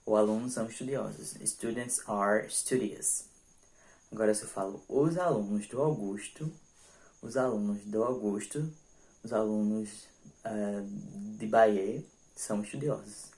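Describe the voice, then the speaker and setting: A man whose first language is Portuguese teaching an English grammar lesson, explaining patiently and repeating examples slowly. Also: lowish voice, dark tone. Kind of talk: online grammar lesson with slides.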